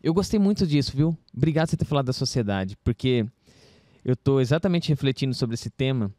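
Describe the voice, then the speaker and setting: A man with a Brazilian Portuguese accent hosts an interview podcast. He thanks his guest warmly and reflects aloud on what she has said. The recording is dry and close. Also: medium pitch, lively intonation, quick pace, no echo. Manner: warm, appreciative, reflective. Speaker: podcast host. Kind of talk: conversational interview.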